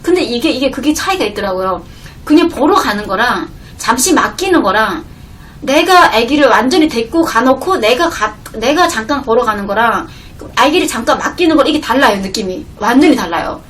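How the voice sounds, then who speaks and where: A woman from in her thirties, tells a personal story on her livestream in an emotional, animated way. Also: fairly high pitch, a little fast, distant mic. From North Korea. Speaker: livestream host. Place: home livestream room.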